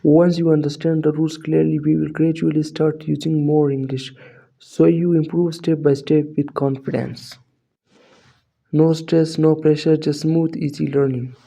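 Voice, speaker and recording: Male English teacher, South Asian accent, native Urdu or Hindi speaker. Very mellow tone, flat intonation, scripted and encouraging instructional read. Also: fairly high pitch, moderate pace, gravelly. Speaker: English teacher introducing an online course. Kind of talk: scripted lesson narration.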